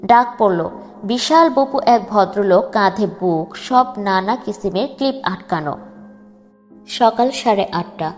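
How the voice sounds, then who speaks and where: A woman reads a first-person account in a grave, measured storytelling voice at a middling pitch. Her voice rings with a long reverb, and soft music plays underneath. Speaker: narrator. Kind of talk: dramatic reading of a first-person memoir.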